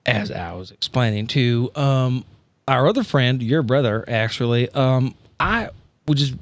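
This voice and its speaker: A man's voice: medium pitch, a little slow, no room sound. A man playing a tabletop game, improvising casually in his everyday voice with a wry, hesitant, rambling delivery.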